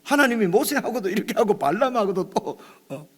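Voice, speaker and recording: A male pastor giving a dawn prayer meeting sermon in a conversational way, often checking with his listeners and pausing on fillers. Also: high voice, very animated, slightly rough, big-room sound. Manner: conversational, often asks "right?"; hesitant, many fillers and restarts.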